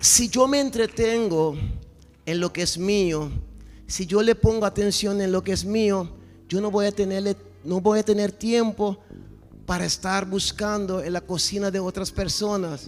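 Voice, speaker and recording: With music playing behind him, a man speaks at a fairly slow pace in a high pitch, his intonation fairly even. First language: not Spanish (speaking Spanish). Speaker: pastor. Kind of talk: sermon.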